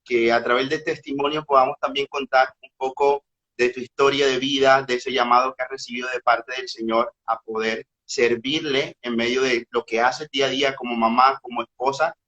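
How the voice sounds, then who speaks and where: A male priest hosts the interview and gently invites his guest to speak. His voice is mid-pitched, and the recording sounds a bit dull and lo-fi. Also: steady tone, normal speed. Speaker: priest host. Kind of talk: interview questions.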